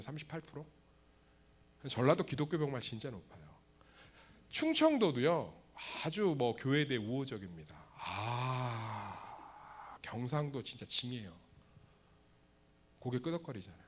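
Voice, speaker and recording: Animated man preaching a lively sermon. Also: mid-range voice. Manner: animated, joking, rhetorical questions to the congregation. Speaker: pastor. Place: church sanctuary.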